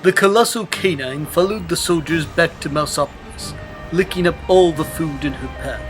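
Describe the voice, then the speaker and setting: A man's voice: a little high, moderate pace. A man reading a children's storybook aloud as scripted narration. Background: music.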